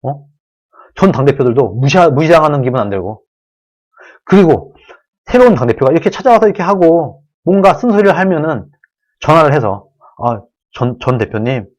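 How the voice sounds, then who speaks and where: A man's voice: a little high, very animated, brisk, pauses often, a little mellow. A man hosting his own channel, giving an earnest solo political commentary, pleading and restating each point.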